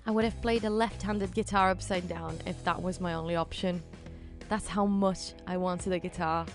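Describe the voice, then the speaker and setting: A woman hosting a podcast, telling a scripted story in a conversational way and speaking directly to her listeners. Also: medium pitch. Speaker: podcast host. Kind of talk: scripted storytelling narration with personal asides.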